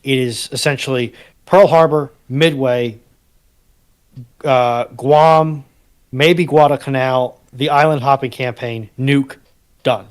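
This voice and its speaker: A man from the United States discussing history analytically, with measured, deliberate phrasing. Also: mid-range voice, steady tone.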